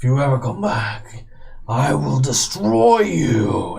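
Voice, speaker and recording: Booming and growling, a put-on character voice rolls out at a fairly slow pace. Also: man, medium pitch for a man. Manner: menacing.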